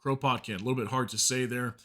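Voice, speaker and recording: A man with a mid-pitched, bright, forward voice hosts a casual news update. He sounds slightly hoarse from a sore throat. He talks to viewers informally and apologizes when he stumbles over hard names. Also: steady tone, quick pace. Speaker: news channel host. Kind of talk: casual war news briefing.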